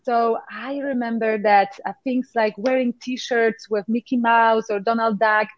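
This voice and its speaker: A woman from Poland with a Polish accent, a coach talking as a podcast guest in a reflective way with many pauses. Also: a little high, steady tone, no room sound, dull audio. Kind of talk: conversational interview.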